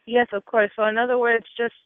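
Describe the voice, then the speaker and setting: A man's voice: very high voice, little pitch movement, a little fast, clean tone, no echo. A man from Miami hosting an interview in casual conversation, with many restarts and "you know", heard over a phone line. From Miami, United States. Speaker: host.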